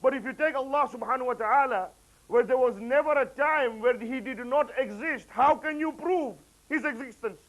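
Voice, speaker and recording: High-voiced man preaching with rising emphasis. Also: normal speed, a bit bright, rough recording. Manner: rises in pitch and volume when quoting, drops low for asides. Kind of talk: religious lecture.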